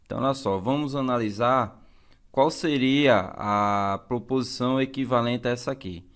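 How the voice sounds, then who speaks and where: A man's voice: medium pitch, normal speed, fairly bright tone, clean tone. A man with a Brazilian accent teaching an exam-prep lesson in a didactic way, repeating key phrases and checking in with listeners.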